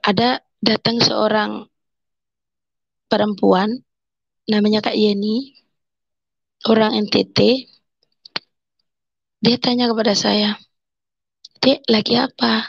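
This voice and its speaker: A woman giving an emotional personal conversion testimony, telling her story haltingly and voicing her own thoughts as she speaks. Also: medium pitch, level tone, gravelly, breathy edge, no echo, dull audio. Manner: emotional, halting storytelling with quoted inner speech.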